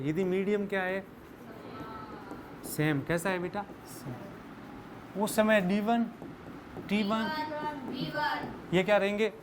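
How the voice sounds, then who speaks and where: A high-pitched male physics teacher lecturing a classroom and firing questions at his students. He calls them "beta" and laughs and jokes along with them. Faint noise sits under the recording.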